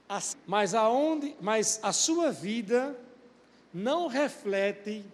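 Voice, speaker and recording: A male pastor preaching a sermon, putting rhetorical questions to the congregation. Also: high-pitched. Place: church. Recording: long church-hall reverb.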